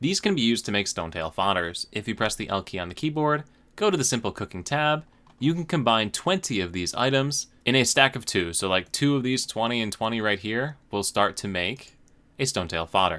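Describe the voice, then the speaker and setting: A man with an American accent talks at a fairly quick pace and medium pitch, in a bright, sharp tone. His pitch swings very widely, and the recording is very clean with a silent background. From New York. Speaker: gaming YouTuber. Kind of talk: tutorial. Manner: fast; animated.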